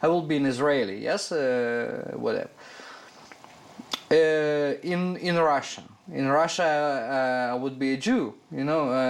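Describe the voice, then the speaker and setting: A man speaks at a fairly slow pace in a fairly high pitch, with ordinary pitch variation. Audible room echo surrounds his voice. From Ukraine (Soviet Union). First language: Russian. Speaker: interviewee. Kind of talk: interview. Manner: halting, many fillers and repetitions.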